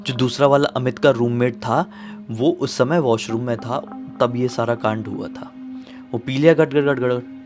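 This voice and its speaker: A man's voice: mid-range voice, steady tone, normal speed, over music. A man telling a horror story in a conversational, dramatic way.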